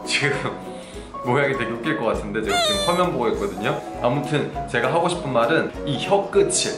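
A Korean man teaching Chinese pronunciation in a casual online lesson, drilling syllables slowly one by one. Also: mid-range voice, lively intonation, over loud music. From South Korea. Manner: slow, drawn-out drilling of syllables, looking at the screen. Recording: echoey room, faint ambience.

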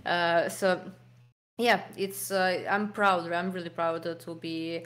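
A woman's voice: fairly low pitch, little pitch movement, slow pace, fairly bright tone. A young woman with a Serbian accent, a poker pro answering interview questions over a video call, with many fillers and restarts. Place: home room, video call. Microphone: desk mic, webcam framing.

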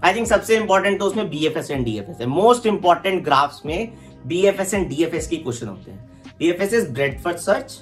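Indian man explaining coding algorithms. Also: sits high. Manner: explanatory, keeps adding "है ना" checks to the listener; addresses the viewer informally as "तुम". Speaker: coding instructor. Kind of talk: casual tutorial talk, switching between Hindi and English.

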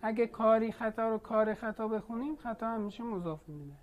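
A woman's voice: on the high side, lo-fi sound. A woman teacher leading an online class, patiently questioning her students.

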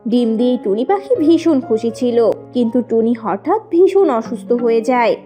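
Woman narrator, children's storytelling, animated intonation, gentle dark timbre, light background music. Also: a little high, normal speed.

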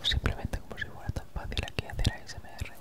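Whispering fast in breathy, unvoiced ASMR style, a thirtysomething woman with a Spain Spanish accent chats casually right into your ear, her S sounds standing out. She records indoors in a small home room, extremely close to a handheld recorder fitted with a foam windscreen.

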